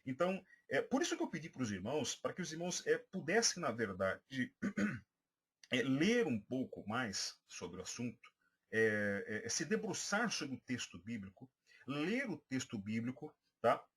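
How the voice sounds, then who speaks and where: A man's voice: mid-range voice, very animated, normal speed, fairly bright tone, breathy edge. A man with a Brazilian Portuguese accent, a pastor giving a class on preaching, hesitant with many fillers and restarts, addressing listeners as brothers. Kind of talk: recorded class for church members.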